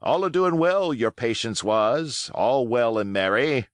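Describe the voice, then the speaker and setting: A beaming, wheedling old one-legged pirate cook, as a man puts him on, loud and bouncy in his seafaring talk. His voice swings up and down with cheer, and the sound is close and dry. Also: mid-range voice, animated, unhurried, no room sound, close to an everyday voice. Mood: jovial.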